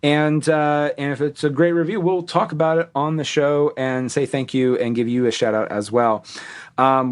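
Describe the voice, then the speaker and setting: A man hosting a casual podcast, reading plugs and sponsor spots in a rambling, jokey way that keeps correcting itself. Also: medium pitch. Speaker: podcast host.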